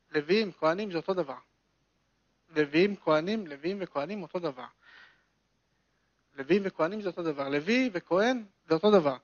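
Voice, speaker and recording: Guy giving a torah class, pretty high voice, repeats himself for emphasis, dull dry recording. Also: dry recording. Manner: emphatic storytelling with repetition. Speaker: religious teacher. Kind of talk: Torah lesson to a small group.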